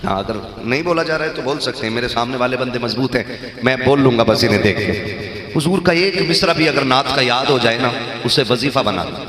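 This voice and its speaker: A man preaches to a live crowd, teasing them and leading call-and-response slogans. His voice is bright and cutting, and it rings through a big echoey hall over a PA. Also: medium pitch, a little fast. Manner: banters with the crowd and calls out slogans for them to answer. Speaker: religious speaker. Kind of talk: sermon to a live gathering.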